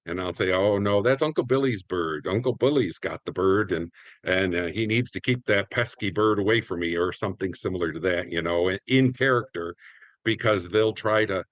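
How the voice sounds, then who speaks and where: A man's voice: low voice, normal speed, no echo. A middle-aged American man reminiscing casually as a community theater actor in a group interview.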